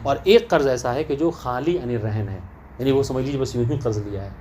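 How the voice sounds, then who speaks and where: With students present, a man teaches a class on religious law, explaining a text and frequently using rhetorical questions to check that they are following. His voice is medium-pitched and darkish, with slight background noise.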